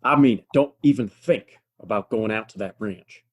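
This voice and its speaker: An actor playing a weary, resolute saloon keeper in a Western audio drama, plainspoken, gruff and emphatic. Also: male voice, fairly low pitch, moderate pace, muffled recording. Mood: firm, warning.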